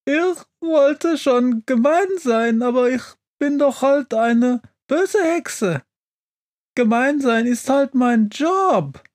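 A narrator voicing a young, rude storybook witch who snaps at everyone, in a high, sharp voice. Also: expressive, slow pace. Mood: tearful. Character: young grumpy rude witch, crying inside. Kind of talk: storybook reading.

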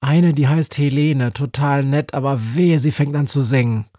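A man's voice: mid-range voice, steady tone, moderate pace, mellow, no echo, clean studio sound, close to an everyday voice. A man voicing a grumpy, stubborn old female Christmas witch. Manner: cranky, stubborn.

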